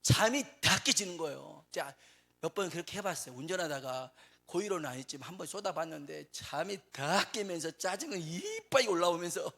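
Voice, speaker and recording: A man's voice: on the high side, animated, creaky. Korean pastor preaching to his congregation. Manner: preaching with call-and-response questions to the congregation; reads scripture slowly and solemnly, swells louder on emotional lines. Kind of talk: sermon. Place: church sanctuary.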